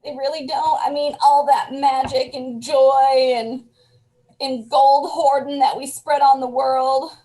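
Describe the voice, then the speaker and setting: A worn-out leprechaun grumbles about her job in a fairly high, unhurried voice, played by a woman on an improv stage. She talks in folksy complaints, as if the whole gig is beneath her. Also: level tone, warm tone, low-quality recording. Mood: grumbling. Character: weary grumbling female leprechaun. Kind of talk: improv comedy scene. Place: theater stage.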